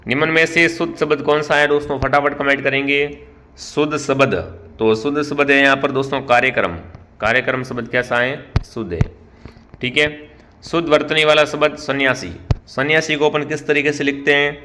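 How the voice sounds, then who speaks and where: A man's voice: on the high side, steady tone, fairly quick, sharp tone, slight background noise. A man with a Rajasthani Hindi accent teaching an online spelling quiz. He asks each question, calls out to the viewers, and then answers it himself. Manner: keeps calling out to the viewers as friends. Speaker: online exam-prep teacher.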